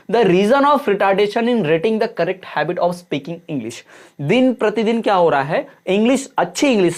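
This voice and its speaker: A male teacher giving an exam-prep lesson. He explains in Hindi, reads English questions out slowly and repeats each answer to drive it home. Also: high voice, darkish tone.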